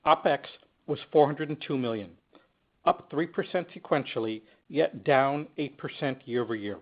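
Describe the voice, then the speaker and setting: Businesslike man on a dull-sounding conference call. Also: mid-range voice. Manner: measured, businesslike, reading prepared remarks. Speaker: company finance executive. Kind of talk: scripted earnings call presentation.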